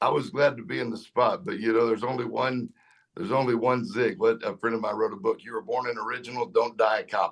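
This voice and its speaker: Speaking very fast in an American accent, a man has a medium pitch and ordinary pitch variation. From US South, Mississippi. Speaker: pastor and motivational speaker. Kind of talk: podcast interview. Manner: animated.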